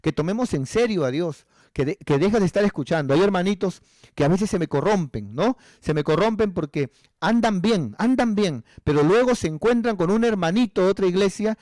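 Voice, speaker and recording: Male pastor, pleading sermon delivery, higher voice, dry recording. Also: animated, normal speed, darkish tone, dry recording. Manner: earnest, pleading, acts out dialogue.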